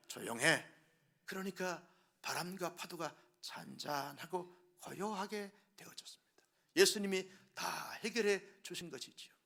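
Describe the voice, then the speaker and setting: A middle-aged male pastor preaching a sermon, telling the story with drama and acting out the voices, swinging from hushed whispers to loud exclamations. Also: sits high, vocal fry.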